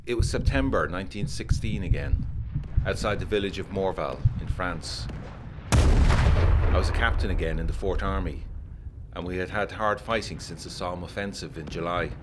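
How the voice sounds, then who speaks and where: An actor playing a haunted, introspective 1920s gentleman and former army captain, reading a letter in a formal, measured, grave way in a gothic audio drama. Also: sits low, heavy background noise, close to an everyday voice. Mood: sombre, weary.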